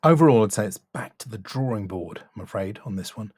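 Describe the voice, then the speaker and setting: A man with a fairly low voice speaks as a coach reviewing someone's work. He is frank and emphatic but encouraging, pausing to press his points. The sound is dry, with very little room. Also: lively intonation, darkish tone, slightly rough, no echo. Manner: blunt but encouraging, emphatic, deliberate pauses. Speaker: voice-over demo coach and reviewer. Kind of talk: spoken critique and coaching.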